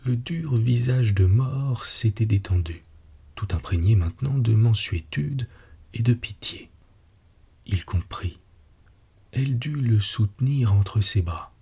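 A male narrator reads a literary tale in a slow, measured and solemn way. His voice is low, dark and husky, unhurried from line to line. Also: animated.

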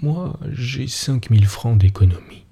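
A man voicing a drunk, bashful older male tutor in a breathy near-whisper, as whispered role-play. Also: mid-range voice, expressive, unhurried, mellow, voice pushed up, heavily acted.

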